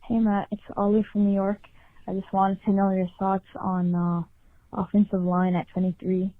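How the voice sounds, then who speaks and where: A woman caller speaks at a medium pitch with very little variation. She asks casually, as a fan would. The recording is a narrow, dry phone voicemail. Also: level tone, moderate pace, dry recording.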